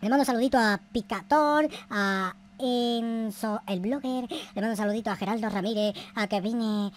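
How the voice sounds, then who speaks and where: A woman's voice: fairly high pitch, moderate pace. A woman hosting a gaming video, giving theatrical, slangy, profane Minecraft roleplay commentary full of exclamations. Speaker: gaming video creator and host.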